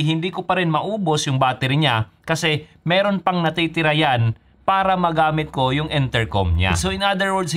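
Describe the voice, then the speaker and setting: A man's voice: fairly high pitch, a bit bright. A man with a Filipino accent giving a scripted motorcycle gear review as a vlogger, mixing in English phrases. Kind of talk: scripted review narration with Taglish code-switching.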